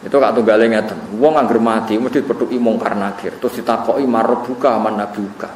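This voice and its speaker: A cleric from Central Java, Indonesia, with a Javanese accent, teaches Quran commentary in a religious study lecture, speaking fast in a low-ish, steady, slightly mellow voice. He tells stories animatedly with chuckling asides, and the recording is roomy and distant with a faint hum.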